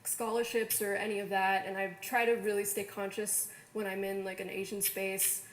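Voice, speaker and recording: A woman's voice: mid-range voice, little pitch movement, normal speed, roomy sound, poor audio. A young woman in a casual panel discussion, hedging her words and filling them with "like". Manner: hedging, lots of "like". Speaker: panel guest.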